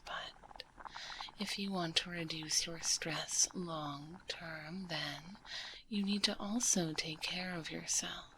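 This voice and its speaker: Woman playing a slow, half-whispering gentle witch. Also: lowish voice, a little hiss or hum, poor audio. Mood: caring. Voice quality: soft, breathy, half-whispered. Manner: unhurried, soothing, calls listener dear. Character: kindly witch alchemist, older than she looks, gently teasing. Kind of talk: ASMR roleplay. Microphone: close binaural microphone.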